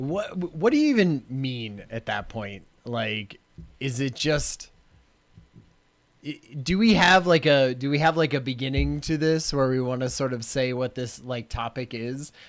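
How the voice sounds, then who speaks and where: A man with a medium-pitched voice speaks fairly slowly, his pitch varying in an ordinary way. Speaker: livestream co-host. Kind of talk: casual chat. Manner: soft-spoken.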